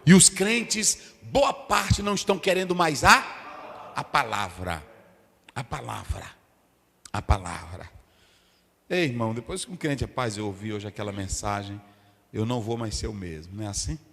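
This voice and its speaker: A man with a Brazilian Portuguese accent, a pastor teaching a Sunday school class in an emphatic preaching style, dropping to a hush and then rising to a shout, acting out what people say, recorded in a church hall. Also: medium pitch, lively intonation, moderate pace. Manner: emphatic, swings from hushed to shouting, acts out quotes. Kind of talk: fiery preaching lesson.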